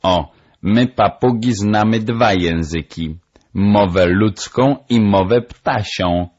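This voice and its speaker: A man voicing a proud, lecturing female parrot with a shrill voice, in a storybook audiobook. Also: slow, lo-fi sound.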